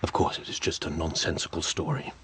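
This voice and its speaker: A suave, deep-voiced mysterious count. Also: male voice, lively intonation, background noise. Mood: teasing. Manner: smooth, teasing, measured. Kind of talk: radio drama acting.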